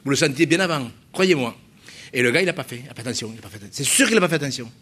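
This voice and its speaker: Husky-voiced man preaching a sermon. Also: mid-range voice, expressive, rapid-fire, fairly bright tone. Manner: emphatic preaching with frequent repetitions and rhetorical questions. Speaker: pastor. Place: church service.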